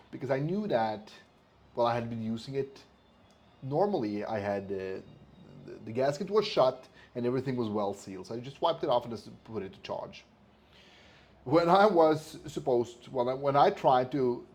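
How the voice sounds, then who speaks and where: A man's voice: mid-range voice, a little mellow. A man talking informally to viewers in an instructional vlog, somewhat hesitant and repeating phrases for emphasis. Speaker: vlogger giving motorcycle gear tips.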